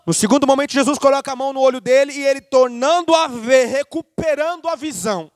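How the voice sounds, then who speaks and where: Preacher, man with a very high voice, fervent sermon delivery, close and dry. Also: fast talker, dry recording, soft background music. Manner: lively preaching, speaks straight to the congregation.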